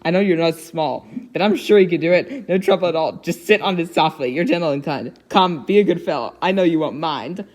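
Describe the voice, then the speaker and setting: A woman's voice: fairly low pitch, a little fast, hardly any pauses, a little mellow, natural voice. A woman reading aloud as a lazy mother bird in a storybook, coaxing and pleading. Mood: sweetly coaxing.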